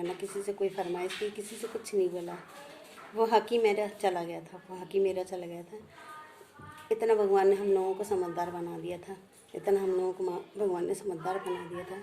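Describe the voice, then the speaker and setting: A woman speaking slowly and heartfelt as she recalls her past, repeating each phrase twice. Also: medium pitch, little pitch movement, warm tone. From India. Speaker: vlogger sharing memories. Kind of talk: personal reminiscence.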